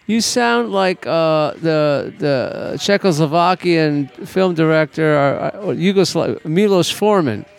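A man's voice: a little high, expressive, slow pace, gravelly, hardly any pauses, smooth. A man co-hosting a podcast, chatty and blunt in casual conversation. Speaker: podcast co-host.

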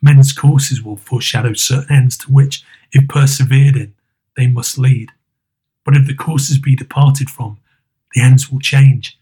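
Guy putting on a terrified old miser, low husky murmur, half whispered sometimes. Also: steady tone, a little slow, dark tone. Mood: pleading. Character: elderly male miser, frightened and pleading.

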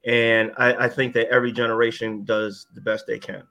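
A man's voice: medium pitch, flat delivery, fairly quick, pushed and bright. A man in his fifties, a wellness business owner talking casually and plainly, often asking "you know what I mean". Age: 50s. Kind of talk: casual podcast chat.

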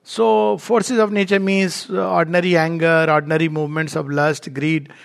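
A man with a North Indian accent speaks as a spiritual teacher. His voice sits fairly high and has some creak in it. He talks emphatically, like a storyteller, slipping into little acted-out dialogues as he explains. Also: little pitch movement, normal speed. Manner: emphatic, storytelling, chuckles at own remarks.

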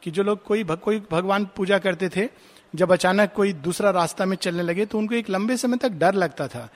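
Man, 60s, high voice, reflective spiritual speaker, long reverb. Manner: reflective, drawn-out reading of English verse. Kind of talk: spiritual discourse, Hindi mixed with English.

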